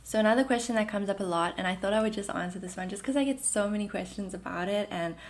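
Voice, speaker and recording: A woman in her thirties from South Africa, with a South African accent blended with Canadian, hosting a solo podcast in a gentle, reassuring and chatty way, full of "like" and "um". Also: medium pitch, fast. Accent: South African mixed with Canadian. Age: 30s. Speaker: podcast host. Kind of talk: casual solo podcast talk.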